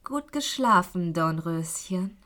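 A woman voicing a cold, emotionless male kidnapper who speaks slowly and lower than her narration. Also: expressive, bright, forceful tone, exaggerated voice.

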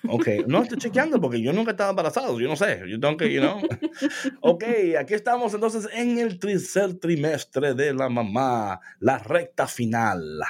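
A man's voice: on the high side, sing-song, normal speed. A man co-hosting a casual chat, reading a text aloud, joking about its words, laughing often and slipping English into his Spanish. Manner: jokes about words he reads. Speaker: co-host.

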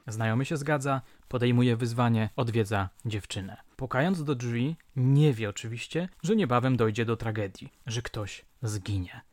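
A man of middle pitch hosts a true-crime podcast in scripted, storytelling narration. He reads old newspaper reports with relish and keeps turning to his listeners with rhetorical questions. The sound is close and dry, with no room around it. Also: moderate pace, few pauses, no room sound. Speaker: podcast host.

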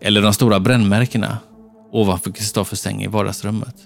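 A man narrating a suspenseful horror story in a measured, tense way. His voice sits low and has a rough, gravelly texture. Quiet music plays faintly in the background. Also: fairly even intonation.

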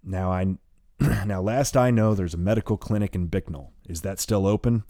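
A man voicing a calm, gruff man in charge who gives orders with dry humor. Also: low-pitched, normal speed, no room sound. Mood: commanding. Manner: coolly commanding, drawling.

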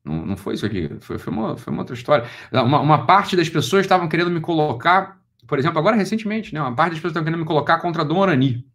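A Brazilian man speaks rapidly, piling one phrase on the next. He repeats himself to press his point, in a voice that sits a little higher than most men's, like a lecturer in full flow. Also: animated, vocal fry, a bit bright. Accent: Brazilian Portuguese. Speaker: philosophy lecturer. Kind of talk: heated monologue to camera.

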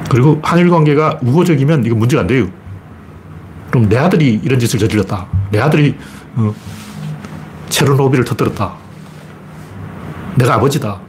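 A man giving a casual spoken lecture, arguing forcefully with rhetorical questions and acting out quoted voices. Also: fairly high pitch, slight background noise.

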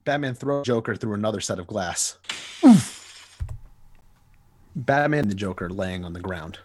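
A man's voice: on the low side, lively intonation, unhurried, a little mellow, slight background noise. A man co-hosting a podcast, reading out comic stage directions plainly. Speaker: podcast co-host. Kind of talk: narrating comic panels.

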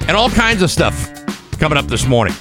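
A man's voice: on the high side, big pitch swings, a little fast. A man hosting a morning radio show, moving between announcements and casual chat. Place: radio studio. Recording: music playing behind the voice. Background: music.

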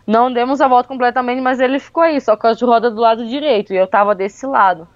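A woman, telling a travel story in a casual, lively way, full of fillers. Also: fairly high pitch, quick pace, no echo, lo-fi sound. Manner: lively, with many fillers like "tipo" and "meu".

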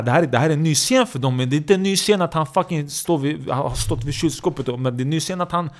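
Profane man telling a comic story. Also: on the high side. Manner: profane, animated, checks in with the listener. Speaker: comedian.

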